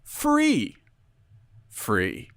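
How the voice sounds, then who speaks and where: A man's voice: medium pitch, huge pitch swings, extremely slow, a bit bright, clean tone, no echo, clean studio sound. A man reading a scripted promotional appeal as a festival announcer.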